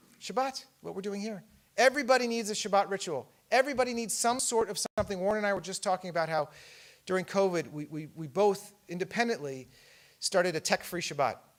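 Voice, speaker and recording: A man's high-pitched, animated voice at a very fast pace, full of lively intonation. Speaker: guest speaker. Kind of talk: talk to synagogue audience. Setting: synagogue hall with audience.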